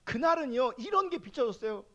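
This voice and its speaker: A male pastor giving a sermon, telling a personal testimony and acting out his own prayers in an animated way. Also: extremely high pitch, brisk, highs cut off.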